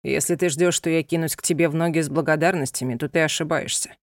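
A woman's voice: low-pitched, steady tone, fast talker, no echo, clean studio sound, voice pushed down. A woman voicing a proud, stern young gypsy man who speaks coldly and curtly. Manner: cold, curt and commanding.

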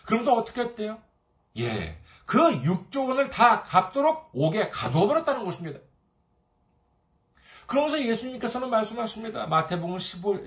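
A male pastor delivering a sermon in a storytelling way. His pitch is a little high and swings widely as he lifts into the characters' lines. He talks casually, with fillers and asides to the congregation. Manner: storytelling, acting out parable voices with lively pitch swings.

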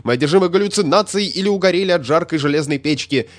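Man playing a hysterical little statistician, shrill ranting, high strained voice, dry close sound. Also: fast talker, no room sound, close to an everyday voice. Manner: shrill, shouting, indignant ranting.

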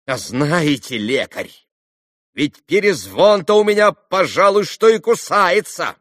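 Man playing a proud hotheaded teen schoolboy, high, loud, rushed, dry close sound. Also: expressive, no room sound. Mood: defiant. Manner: hurried, emotional outbursts. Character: proud, excitable teenage schoolboy.

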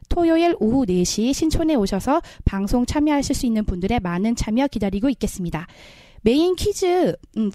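A woman with a slightly high, mellow voice hosts a small community radio show, announcing politely with soft little fillers. She has a cold, and the studio sound is close and dry. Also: dry recording. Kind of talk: friendly scripted radio hosting.

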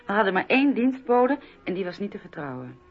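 An actress playing a cautious bourgeois wife giving guarded, self-justifying testimony in a radio drama. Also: female voice, mid-range voice, sing-song, fairly quick, husky. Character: cautious married bourgeois woman recounting a dangerous visit. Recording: dull lo-fi radio recording.

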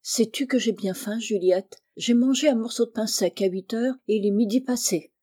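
Storybook orphan boy, impulsive and pleading, read by a woman, mellow tone. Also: a little high, moderate pace, slightly rough. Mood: excited. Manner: eager, pleading.

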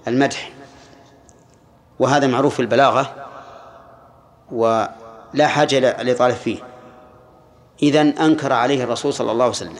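An older man giving a classroom lesson on Islamic law, speaking in measured phrases and questioning his students. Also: mid-range voice. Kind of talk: classroom lecture on hadith.

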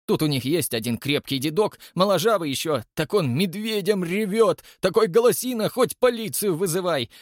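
A man voicing an elderly, frightened woman concierge who gossips and complains in a hushed, fretful way. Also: high voice, expressive, moderate pace, hardly any pauses, no echo, clean studio sound, voice pushed up. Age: older.

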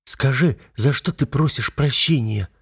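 A man's voice: medium pitch, measured pace, gravelly, breathy edge, voice pushed up, full character voice. A man reading an audiobook, voicing a frightened young captive woman who pleads tearfully. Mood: panicked.

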